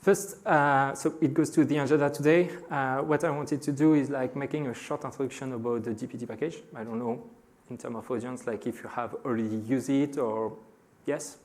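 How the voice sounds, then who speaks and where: A middle-aged man with a French accent presents at a conference, speaking to the audience in front of him. He hesitates often and fills pauses with drawn-out "uh" sounds as he gathers his thoughts. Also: mid-range voice, steady tone, darkish tone. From France. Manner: frequent hesitations with many "uh" fillers; addresses a live audience. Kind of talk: conference talk.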